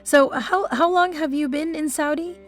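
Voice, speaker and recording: A woman's voice: high voice, normal speed, faint music behind. A woman hosting a radio interview, asking friendly, informal questions. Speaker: radio host.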